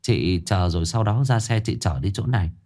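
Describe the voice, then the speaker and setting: A man putting on a knowing spirit medium woman of about forty, calm and matter-of-fact. Her voice sits low, with a lively rise and fall. She sounds like a figure from a spoken ghost story. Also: normal speed. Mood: explaining.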